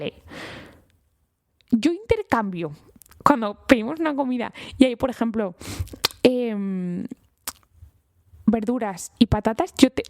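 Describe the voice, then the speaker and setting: A woman's voice: fairly high pitch, darkish tone, no room sound, clean studio sound. A woman with a Spain Spanish accent, a doctor hosting a health podcast, explaining things in an enthusiastic, chatty way and talking straight to her listeners. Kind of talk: informal educational podcast talk.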